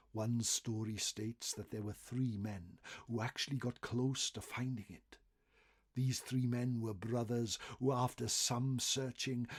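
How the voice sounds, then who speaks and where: Expressive male storyteller, slightly husky voice. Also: mid-range voice. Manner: expressive, swelling then dropping to hushed phrase endings. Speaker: storyteller reading a folklore article. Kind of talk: dramatic oral storytelling narration.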